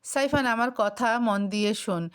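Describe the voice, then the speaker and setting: A woman voicing a furious, possessive young man who shouts commands and threats in an audio love story. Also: a little high, normal speed, smooth, lightly acted.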